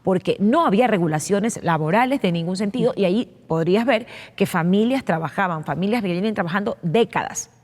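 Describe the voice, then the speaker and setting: A woman's voice: mid-range voice, expressive, brisk, few pauses, darkish tone. A woman lawmaker explaining her views in a televised interview, earnest and full of "eh" fillers and repeated words. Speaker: legislator being interviewed. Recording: long reverb.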